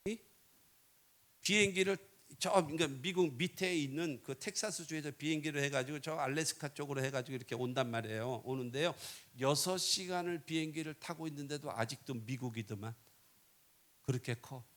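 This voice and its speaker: High-voiced folksy Korean pastor preaching. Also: male voice, brisk. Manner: folksy, joking, swings between loud and quiet. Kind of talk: revival sermon.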